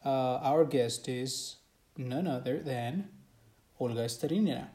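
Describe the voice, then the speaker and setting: A man's voice: mid-range voice, slow pace, dark tone. A man hosting an English-learning podcast, friendly and hesitant with many fillers. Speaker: podcast host and English teacher. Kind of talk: casual interview chat. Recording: echoey room.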